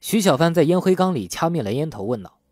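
A man's voice: a little high, big pitch swings, fast, a little mellow, no echo. A man narrating an audiobook in a scripted storytelling style. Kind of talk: scripted audiobook narration of an urban crime novel.

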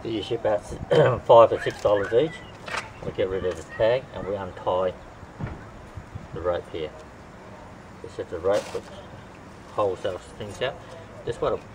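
A man's voice: lowish voice, background noise. Middle-aged man explaining outdoors, distant mic. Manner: plain step-by-step explaining while working with his hands. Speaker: fishing tutorial host. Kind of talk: how-to demonstration. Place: outdoor driveway beside a boat trailer. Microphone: camera mic a few feet away.

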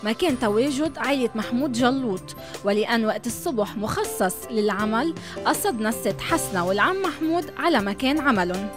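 A woman's voice: a little high, animated, fairly quick. A woman with a Lebanese Arabic accent, reading scripted documentary narration as a TV reporter. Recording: voice-over with music bed.

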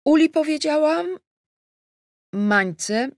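A woman's voice: high voice, animated, very slow, no room sound, clean studio sound, pitched above the performer's own voice, exaggerated voice. A woman reading an audiobook, voicing a defensive, flustered middle-aged bride-to-be who bristles and exclaims as she justifies herself. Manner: emotional, exclaiming, self-justifying. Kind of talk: acted audiobook dialogue.

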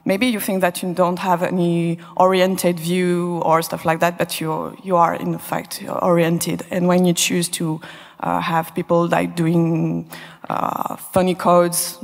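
Female audience member, earnest and halting, low voice, reverberant hall. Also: completely flat delivery, creaky. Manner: earnest, searching for words. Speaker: audience member asking a question. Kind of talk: conference Q&A question.

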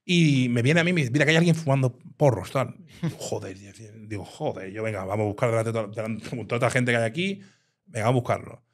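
A man with an animated storytelling manner, recounting his time as a nightclub bouncer in a casual interview. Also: medium pitch, racing. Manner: animated storyteller, acts out quoted dialogue.

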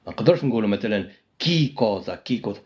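Unwell and coughing, a Moroccan Arabic–accented man leads a live online Italian class, saying each word repeatedly and practicing phrases at a very slow pace. He has a lowish, expressive, slightly mellow voice.

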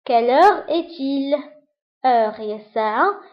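A woman teaching French phrases. She reads the quickly and repeats each French phrase slowly. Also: sits high, animated, lo-fi sound. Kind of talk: French lesson for Arabic speakers.

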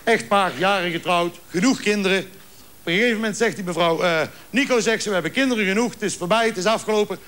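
Brief: male joke teller, high-pitched, acts out every character in his stories. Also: fast, a faint crowd, slight background noise. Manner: lively storyteller acting out dialogue. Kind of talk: stand-up joke telling.

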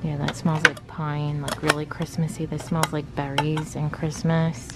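A woman in her thirties muses aloud through a face mask as she browses store shelves, filming on her phone. Her voice sits a little low and she talks at an unhurried pace. Store noise is plain behind her. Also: little pitch movement. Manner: chatty, musing aloud while browsing. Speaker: vlogger. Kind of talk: casual shop-with-me narration. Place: large store indoors. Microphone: handheld phone camera. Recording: noisy store ambience.

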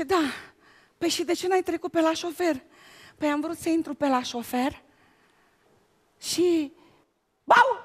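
A woman with a high voice tells a comic story from the stage of an awards gala. She delivers her stand-up monologue with bursts of shouting. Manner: animated storytelling with shouted bits. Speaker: comic actress.

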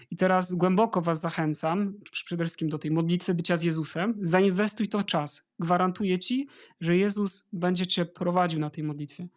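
A man giving informal spiritual advice as a guest, earnestly urging listeners and addressing them directly. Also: high-pitched. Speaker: interview guest, religious brother.

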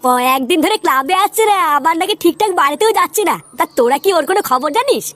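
A man's voice: very high-pitched, animated, fast talker, fairly bright tone, dry recording. A man voicing a blunt, coarse, bossy neighbourhood club leader in a comedy cartoon. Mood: exasperated.

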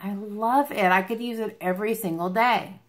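A woman's voice: mid-range voice, moderate pace. A woman in her mid-forties chatting casually on a livestream, rambling from one thought to another as she answers viewers. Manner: rambling, jumps between topics. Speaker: beauty livestream host. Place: small furnished room at home, indoors.

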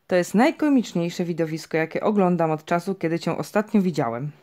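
A woman's voice: on the low side, animated, a little fast, darkish tone, lightly acted. A woman voicing a mocking, pompous neighbor man in a storybook reading, with a sneering, grandiloquent manner. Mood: taunting.

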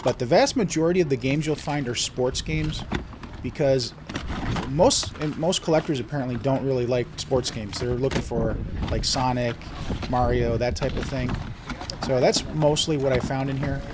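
A man's voice: mid-range voice, moderate pace, noisy background. A man with a stuffed-up voice from a cold, chatting easygoingly as he narrates his flea market vlog.

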